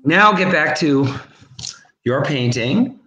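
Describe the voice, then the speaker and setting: A man co-hosting a charity livestream from home chats and calls auction bids in rapid repetition over a webcam video call. He sounds animated, bright, and forceful with a rather high voice, while the audio is dull, roomy and echoey, with faint music behind.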